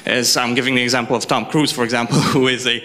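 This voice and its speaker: Casting: male audience questioner, Romanian accent, bright and tense voice, hesitant, wandering delivery. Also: mid-range voice, flat delivery, fast talker. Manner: hesitant, rambling. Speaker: audience member asking a question. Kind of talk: unscripted spoken question. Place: public Q&A after a film screening.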